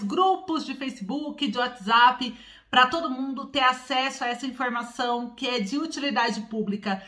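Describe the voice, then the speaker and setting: Her high, bright voice has a pushed quality as this São Paulo channel host, a woman in her forties, addresses the camera from a small room at home for her news vlog. Key words get stretched out for emphasis, and her Paulista Portuguese carries a rolled R.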